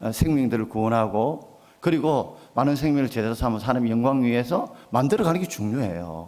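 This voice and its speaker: Audible room echo around a moderate pace and ordinary pitch variation. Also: man. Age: 60s. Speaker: guest pastor. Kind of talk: sermon. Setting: church. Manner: hesitant fillers (ah, uh).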